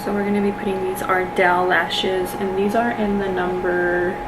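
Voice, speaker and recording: A woman's voice: mid-range voice, moderate pace. A woman whose first language is Spanish, speaking English with a Spanish accent in a chatty get-ready-with-me vlog, full of "like" and "you know". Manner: chatty, filler-heavy, many "like"s and "you know"s. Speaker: beauty vlogger. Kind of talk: casual get-ready-with-me chat. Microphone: camera mic from a distance. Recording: distant camera mic, steady background hum.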